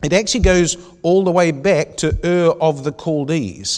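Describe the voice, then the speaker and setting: In a very clean recording with a silent background, a man with a New Zealand accent talks at a high pitch. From New Zealand, Christchurch. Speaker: Bible class teacher. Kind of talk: Bible study lecture. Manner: interactive, questioning the audience.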